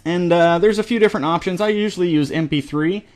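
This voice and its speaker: A middle-aged man hosting a screen-recorded software tutorial, talking casually with lots of fillers and restarts. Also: sits high, fast talker.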